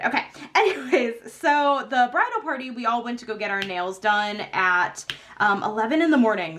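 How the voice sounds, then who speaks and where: A young woman vlogger chatting casually while crafting, rambling with many fillers and frequent laughs, her voice slightly hoarse. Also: on the high side, sharp tone, a little hiss or hum.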